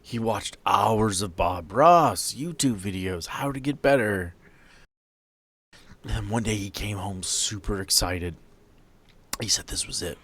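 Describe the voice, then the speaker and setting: A man playing an artist's guarded, wistful daughter in a tabletop game, speaking in halting, subdued short phrases. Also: lowish voice, lively intonation, a bit bright, pitched below the performer's own voice. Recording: music behind the voice.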